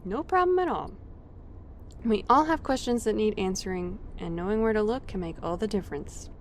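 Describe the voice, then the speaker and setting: A woman's voice: mid-range voice, lively intonation, moderate pace, a little hiss or hum, close to an everyday voice. A woman acting a friendly, concerned, polite character who is eager to help, in audio drama dialogue. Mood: warm, helpful.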